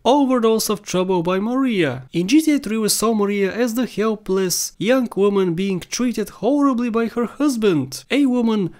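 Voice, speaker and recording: Countdown narrator for gaming video: medium-pitched, informal, opinionated. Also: normal speed, hardly any pauses, a little mellow. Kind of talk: casual top-ten game commentary.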